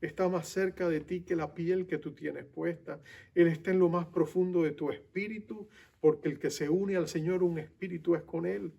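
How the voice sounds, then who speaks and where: A male pastor preaching a sermon, talking straight to the listener and swinging from loud urgency to soft, intimate tones. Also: sits high, steady tone, normal speed, gravelly, muffled recording. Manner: speaks directly to listener as "tú".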